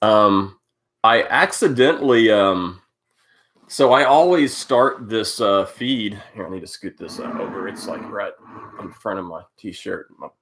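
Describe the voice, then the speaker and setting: A man's voice: lowish voice, a little slow, a bit bright. A man hosting a casual live stream, stuffed up from a cold, rambling with many fillers as he greets viewers by name. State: congested from a cold. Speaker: host of a live cycling update stream.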